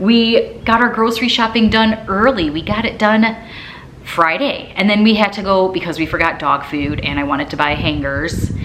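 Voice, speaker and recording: A woman with an American accent and lively intonation, amid audible room echo and noticeable background noise. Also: medium pitch for a woman, moderate pace. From Wisconsin. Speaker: lifestyle vlogger. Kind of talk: casual vlog talk to camera. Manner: chatty, animated.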